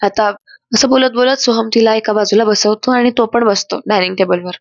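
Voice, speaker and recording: A woman retells a serial episode in an emphatic, storytelling voice-over. Her voice sits a bit high. The recording is dry and somewhat muffled. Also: steady tone, a little fast, no echo. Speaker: serial review narrator.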